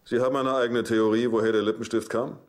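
An actor playing a matter-of-fact police investigator in a German-dubbed sitcom, deadpan and businesslike. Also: male voice, mid-range voice, quick pace, lightly acted. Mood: dry, questioning.

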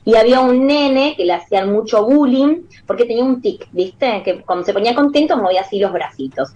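An Argentine woman with a high voice tells stories in a casual interview. She is animated and slips into the voices of the people she describes. The recording sounds slightly dull and lo-fi. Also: brisk, slightly rough. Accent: Argentine Rioplatense. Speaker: children's singer, guest.

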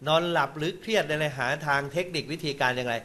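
A man with a fairly high voice gives a televised Buddhist dharma talk. He explains in a teaching manner, breaking into exclamations and sprinkling in English terms. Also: fast, bright, forceful tone.

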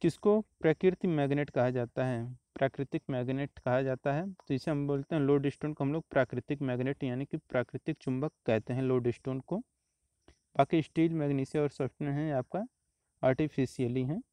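A man, teaching exam questions step by step in a steady, explanatory way. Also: medium pitch, fairly quick, clear, resonant tone, dry recording. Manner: steady explanatory, repeats answers, frequent "तो देखिए" and "आपका".

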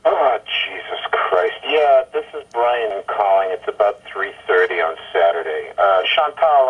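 An exasperated, profane man leaving rambling, irate voicemails over the phone, halting and stammering over repeated words. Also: on the low side, breathy edge. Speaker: caller leaving voicemail messages. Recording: tinny, muffled telephone voicemail line.

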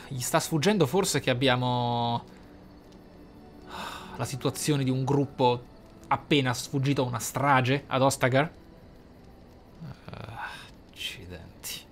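A man hosts a role-playing let's play in a mid-range voice, speaking slowly with long pauses. He ponders out loud with showy interjections, against game music and a faint hiss or hum.

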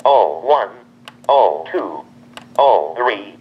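A man's voice: lowish voice, big pitch swings, very slow, breathy edge, highs cut off. A man's recorded voice announcing days and times word by word in a stilted way through an answering machine's small speaker. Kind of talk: clipped time and day announcements.

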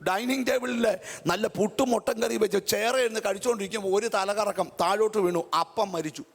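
A middle-aged woman preaching a fiery revival sermon, telling stories dramatically and breaking into shouts between amens and hallelujahs. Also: mid-range voice, fairly quick, breathy edge. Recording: long echo of a large hall.

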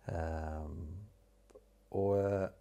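Deep-voiced and warm, with creak and fairly even intonation, an actor chats through a casual storytelling interview. He stumbles hesitantly, using lots of fillers and beginning again.

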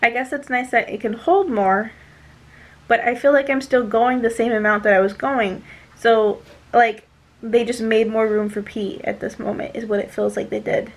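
A woman's voice: a little high, steady tone, normal speed, poor audio. Breathless young woman vlogging. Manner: chatty, rambling, many fillers. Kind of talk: casual vlog chat.

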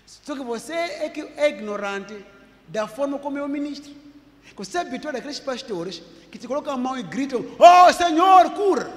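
A male apostle preaching and demonstrating healing before a congregation, talking emphatically and repeating himself, sometimes rising to shouts. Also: extremely high pitch. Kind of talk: sermon with live healing demonstration. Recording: echoey hall with faint noise.

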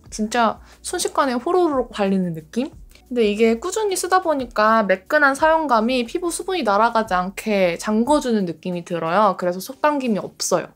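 A woman in her late twenties chatting casually in a skincare vlog, gushing about products as she applies them. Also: fairly high pitch. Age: late 20s. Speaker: beauty creator. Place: bedroom in front of a door.

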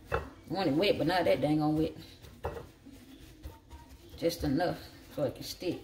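A low-pitched woman chats casually while cooking, her accent Southern African American English from the southern US. She's a home cook at the counter of her kitchen, folksy and salty, thinking aloud as she works for a casual cooking vlog, captured in a noisy home recording full of clicks.

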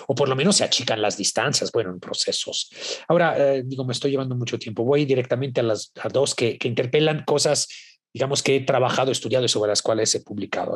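A man in his fifties, from Italy with a Mexican Spanish accent, giving an animated academic talk over a video call from his home study, full of fillers and restarts. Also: mid-range voice, slightly rough. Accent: Mexican Spanish over an Italian base. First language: Italian. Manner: animated, gestures a lot, many fillers and restarts. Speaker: invited lecturer. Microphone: webcam on a video call.

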